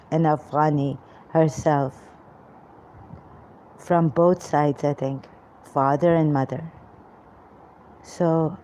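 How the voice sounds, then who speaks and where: A woman talking to camera in a rambling personal monologue, halting often with pauses and fillers. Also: low voice, warm tone. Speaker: vlogger. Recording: dull lo-fi recording with faint noise.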